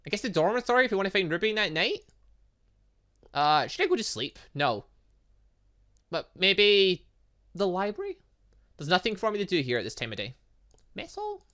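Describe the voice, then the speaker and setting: A man's voice: on the high side, pushed and bright. A man doing let's play commentary on a game, reading on-screen text aloud and muttering asides as he stumbles over it. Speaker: gaming YouTuber playing a visual novel.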